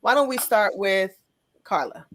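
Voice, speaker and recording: A woman's voice: medium pitch, big pitch swings, a little slow, a bit bright. A woman hosting a casual panel interview, speaking in an encouraging, affirming way. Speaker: podcast host.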